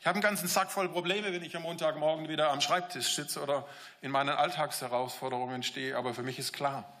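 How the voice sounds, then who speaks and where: A man's voice: mid-range voice, creaky, sharp tone. A man preaching a sermon, speaking directly and conversationally to his congregation. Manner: acts out the biblical characters' words in paraphrase.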